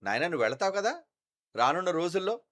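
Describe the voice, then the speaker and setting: A man voicing a gentle fatherly God. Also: high-pitched, big pitch swings, quick pace, pitched above the performer's own voice. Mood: coaxing. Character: gentle fatherly God speaking to his son.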